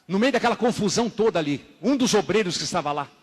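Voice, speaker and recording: A man with a high, slightly husky voice delivers a dramatic religious testimony to a church gathering. He tells his story emphatically, moving from loud exclamations to hushed, intense narration. The sound carries a long hall reverb. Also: lively intonation, fast talker. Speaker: testimony speaker at a church service.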